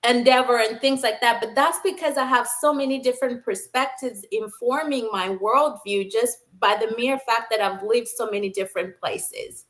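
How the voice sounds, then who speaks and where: Woman, from Zambia, middle-aged, interview guest, earnest storytelling, slightly high voice. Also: normal speed, hardly any pauses, a bit bright. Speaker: guest, nurse scientist. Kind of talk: conversational interview.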